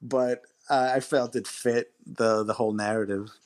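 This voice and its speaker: A man with a medium-pitched voice talks as the guest writer in an interview. His delivery is informal and conversational, like explaining his own work in a chat. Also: fairly even intonation, moderate pace.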